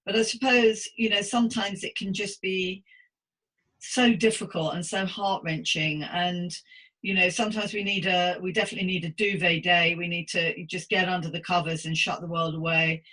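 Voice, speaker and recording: A woman hosting a podcast as a psychotherapist, interviewing in an effusive, gently encouraging, conversational way. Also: lowish voice, steady tone, moderate pace, poor audio.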